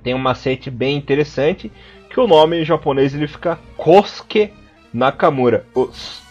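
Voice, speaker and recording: A man from southern Brazil with a southern Brazilian Portuguese accent, co-hosting a podcast in a casual, patient way, repeating names slowly and now and then slipping into crude jokes. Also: a little high, lively intonation, a little mellow, breathy edge. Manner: blunt and crude when joking. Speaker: podcast co-host. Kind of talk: casual podcast chat teaching name pronunciation. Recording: dull lo-fi podcast audio with faint music.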